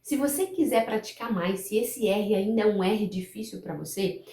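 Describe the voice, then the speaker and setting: Woman English teacher, native Portuguese speaker, mid-pitched, patient and repetitive, roomy echo. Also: dark tone. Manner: patient, repeats example words slowly for practice. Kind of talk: pronunciation lesson to camera.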